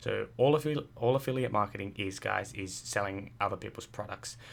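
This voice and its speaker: A man with an Australian accent talks at a very fast pace, with vocal fry. The recording is very clean, the background silent. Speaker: online money-making youtuber. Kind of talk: tutorial.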